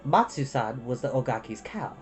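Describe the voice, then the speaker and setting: A woman narrates a storybook in a low voice with lively, expressive intonation. Faint music plays behind her reading. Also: moderate pace. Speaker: storytime reader.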